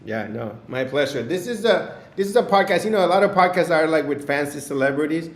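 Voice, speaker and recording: A podcast host with a voice on the high side introduces and interviews a guest, sounding upbeat, emphatic, animated and brisk. The sound is roomy, with faint music in the background.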